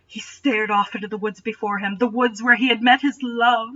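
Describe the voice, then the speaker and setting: A woman reads a story aloud dramatically, acting as both reader and commentator and slipping in sardonic, playful asides. Her voice is a little high, steady, pushed and bright, at a normal speed. The home microphone sounds dull and distant.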